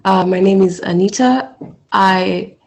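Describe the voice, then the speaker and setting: A woman from Kenya, an international student, introducing herself on a panel carefully and with many pauses. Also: mid-range voice. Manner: careful, hesitant, many fillers.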